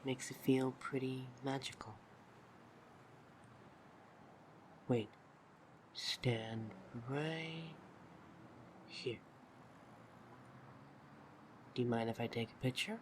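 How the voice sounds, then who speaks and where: A woman's voice: very deep voice, steady tone, slight background noise. A woman playing a shy, flustered, affectionate date in an intimate, hesitant romantic ASMR roleplay. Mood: warm, enchanted. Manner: awkward, hesitant, halting delivery. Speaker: audio roleplay voice actor.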